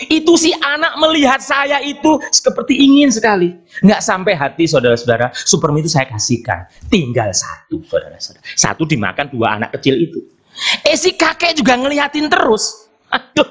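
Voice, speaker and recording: Animated preaching priest with lively pitch. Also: male voice. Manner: storytelling, addresses listeners often as brothers and sisters. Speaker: Catholic priest. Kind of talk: sermon. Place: church during Mass.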